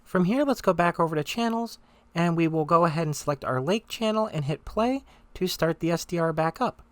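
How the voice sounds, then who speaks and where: A presenter giving step-by-step software tutorial narration in an instructional, conversational manner. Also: medium pitch, animated, fairly quick, dry recording.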